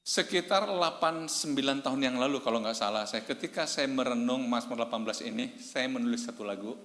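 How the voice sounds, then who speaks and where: Male pastor, bright sermon voice, echoey church hall. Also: medium pitch, a little fast. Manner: storytelling preacher, addresses congregation as "saudara", animated shouts and laughs.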